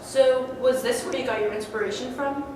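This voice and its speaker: A woman's voice: fairly high pitch, fairly even intonation, moderate pace. A woman acting as an interviewer in a scripted mock interview, asking eager questions and reading narration. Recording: echoey hall from far off, noisy.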